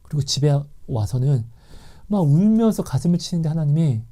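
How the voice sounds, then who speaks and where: A man's voice: fairly high pitch, sing-song, a little fast, dark tone. A man giving an earnest, emotional personal faith testimony, acting out dialogues as he tells them. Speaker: Christian testimony speaker.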